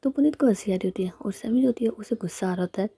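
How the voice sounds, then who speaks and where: A woman casually narrating a story, switching between plain narration and lively quoted dialogue. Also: mid-range voice, racing, slightly rough, dry recording.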